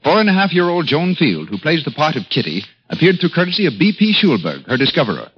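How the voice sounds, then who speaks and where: A man doing formal 1930s network radio announcing, reading credits crisply, with the sound of an old radio broadcast. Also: a little high, huge pitch swings, fast talker, a bit bright, no room sound, rough recording.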